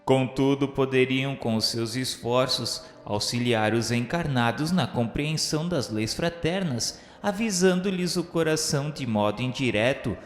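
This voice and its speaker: A Brazilian man reading a scripted dramatic radio narration in a solemn, formal, measured manner. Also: mid-range voice. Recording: echoey hall-like reverb. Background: music.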